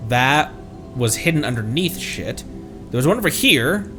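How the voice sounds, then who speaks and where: A man with a mid-pitched voice streams a game, his pitch swinging wildly as he mutters and exclaims. His commentary is casual and playful, with game music playing behind him. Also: sing-song, normal speed, fairly bright tone. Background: video game music.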